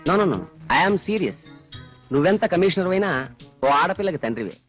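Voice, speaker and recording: An actor playing a calm, menacing kidnapper who makes taunting ransom threats over the phone. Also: male voice, sits high, breathy edge, soft background music, exaggerated voice. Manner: cool, taunting, unhurried threats. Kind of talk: 1990s Telugu film dialogue.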